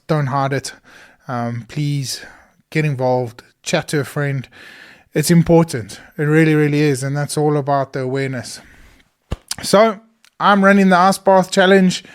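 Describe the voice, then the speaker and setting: In a small studio, a South African man hosts a solo podcast episode. His voice is hoarse and a bit high for a man, and he comes across earnest and enthusiastic, filling gaps between thoughts with many fillers.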